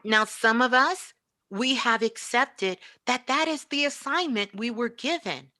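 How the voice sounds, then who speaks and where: A woman's voice: on the high side, unhurried, bright, forceful tone, dry recording. A woman giving a spiritual motivational talk, speaking emphatically and repeating phrases for effect. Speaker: spiritual teacher and show host, as guest.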